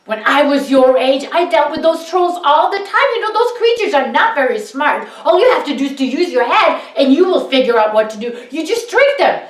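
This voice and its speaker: A boastful old father from a folk tale, scolding his sons and bragging about his youth, voiced by a woman storyteller. His voice sits fairly high. It sounds distant and roomy. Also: big pitch swings, fairly quick, few pauses.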